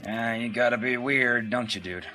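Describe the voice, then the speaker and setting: A man's voice: medium pitch, moderate pace, bright, forceful tone, lightly acted. A man playing a laid-back street gang member in an audio drama, casual and slangy. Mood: teasing. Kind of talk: full-cast audio drama, casual chat.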